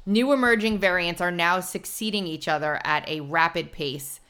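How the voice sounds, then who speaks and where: A woman's voice: lowish voice, moderate pace, bright, forceful tone, clean tone. A woman co-hosting a casual live talk show, reading aloud and explaining in an informal way. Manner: informal, explanatory, laughs easily.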